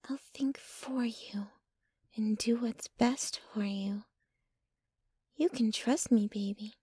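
Breathy, possessive yandere girlfriend, acted by a woman. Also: on the high side, warm tone, no room sound, studio quality, exaggerated voice. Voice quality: breathy, whispery. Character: possessive, jealous young yandere girlfriend, dominant yet clingy. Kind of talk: intimate ASMR roleplay. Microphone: close microphone, dry.

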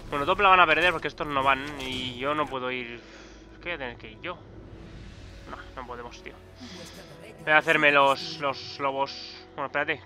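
Excitable high-voiced Spanish gamer. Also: male voice. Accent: Peninsular Spanish. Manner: excitable, swearing, frequent loud outbursts. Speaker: gaming YouTuber. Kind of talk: live gameplay commentary.

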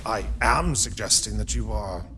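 An actor playing a haughty, accusing Imperial admiral, blustering and confrontational, in an audio drama. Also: male voice, fairly low pitch, normal speed, noisy background, natural voice. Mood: angry, accusing.

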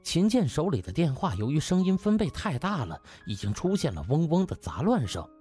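A man's voice: a little high, sing-song, brisk, warm tone, slightly rough, soft background music. A man narrating a novel as a dramatised audiobook.

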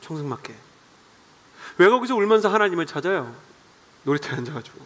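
A man's voice: fairly high pitch, sing-song, brisk, fairly bright tone. A man preaching a sermon to young adults as their pastor, telling stories and acting out the voices in them. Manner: storytelling, acting out quoted voices. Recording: long hall reverb.

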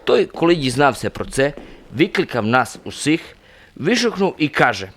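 An actor playing a garrulous, cheerful simple soldier who rambles through folksy anecdotes in a radio drama. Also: male voice, on the high side, big pitch swings, normal speed. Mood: cheerful rambling. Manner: folksy, chatty, rambling storytelling.

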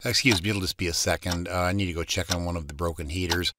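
A man's voice: sits low, steady tone, quick pace, natural voice. An actor playing an easygoing, considerate male hotel manager in an audio drama, talking casually. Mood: accommodating. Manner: casual, conversational. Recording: very noisy background with clicks.

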